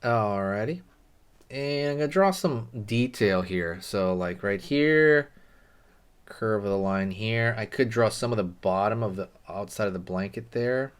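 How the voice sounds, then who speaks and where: Man, lowish voice, drawing tutorial host, casual, rambling, lots of fillers. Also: expressive, measured pace, smooth. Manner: rambling, filler-heavy, friendly asides.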